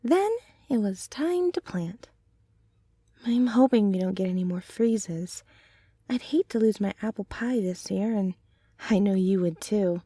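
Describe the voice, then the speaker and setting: A woman voicing a gentle, teasing centaur girlfriend in a soothing ASMR roleplay, with breathy murmurs and soft sighs. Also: medium pitch, expressive, a little slow, dry recording, clean studio sound. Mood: cheerful, chatty. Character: gentle, caring, teasing female centaur girlfriend, hardworking farmer.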